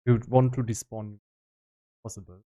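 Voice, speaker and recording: A man giving casual live-stream commentary as a game developer, explaining his work in halting fragments as he thinks aloud. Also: medium pitch, level tone, dark tone.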